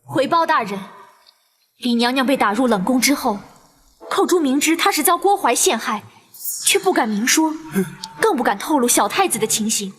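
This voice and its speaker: An actress playing the vengeful ghost of a wronged palace maid, speaking in a mournful, menacing, ghostly declamation in a period drama. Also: female voice, high-pitched, expressive, moderate pace, fairly bright tone. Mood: mournful, accusing. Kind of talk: theatrical Chinese period drama acting. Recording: echoey hall reverb, noisy ambience.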